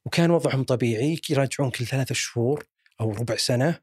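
A man's voice: medium pitch, fast, a little mellow, husky, dry recording, studio quality. A man with a Saudi accent, narrating a crime story in a chatty, rambling way. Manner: chatty and rambling, with frequent restarts and fillers. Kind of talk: casual storytelling.

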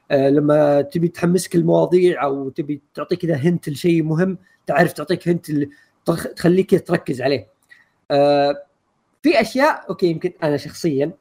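A man co-hosting a casual podcast chat, rambling quickly through his opinions with many fillers. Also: fairly high pitch, vocal fry, mellow, slightly rough. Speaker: podcast co-host.

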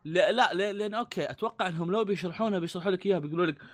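A fast-talking man, his voice a little high. He co-hosts a relaxed podcast chat. He jokes at his own expense and trails off whenever he is unsure. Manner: joking, self-deprecating, trails off when unsure. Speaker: podcast co-host. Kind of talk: casual chat.

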